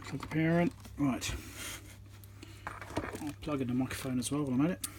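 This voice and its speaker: A man's voice: medium pitch, fairly quick. Man giving hands-on tutorial, noisy background. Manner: matter-of-fact, thinking aloud while working. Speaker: electronics repairer demonstrating. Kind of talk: informal hands-on tutorial commentary. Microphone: phone on a tripod.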